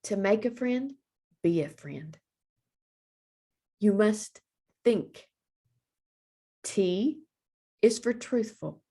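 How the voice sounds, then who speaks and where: Woman, children's librarian, storybook read-aloud, mid-range voice, expressive deliberate phrasing. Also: medium pitch, slightly rough.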